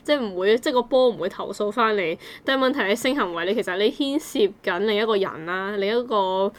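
A woman's voice: medium pitch, lively intonation, quick pace. A woman with a Hong Kong Cantonese accent co-hosting a casual discussion, reasoning aloud with playful examples.

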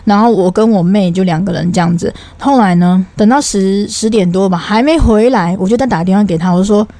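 A young woman, co-hosting a podcast and telling stories in an animated, exasperated way, with some swearing. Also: medium pitch, a little fast, no room sound. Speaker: podcast co-host. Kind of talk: casual storytelling chat.

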